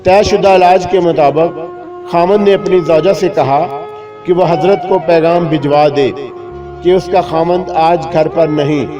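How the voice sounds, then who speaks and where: Male narrator, fairly high voice, humorous moral tale, measured ornate phrasing, lo-fi recording. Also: fairly even intonation. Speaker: story narrator. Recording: dull lo-fi recording with music behind. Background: clear background music.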